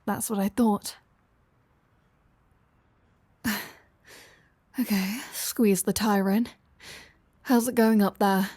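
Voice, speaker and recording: Slow-talking, teasing vampire woman, acted by a woman. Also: medium pitch, steady tone, mellow, no room sound. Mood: challenging, wry. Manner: teasing, sardonic, foul-mouthed. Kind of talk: intimate roleplay audio drama.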